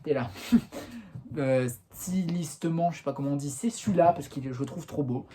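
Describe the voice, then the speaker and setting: A young man talks his way through a casual vlog, chatty and full of slang, with lots of little fillers. His voice is mellow and warm, and his pitch jumps up and down as he talks. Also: normal speed. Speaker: YouTuber. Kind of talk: casual vlog, showing off clothes.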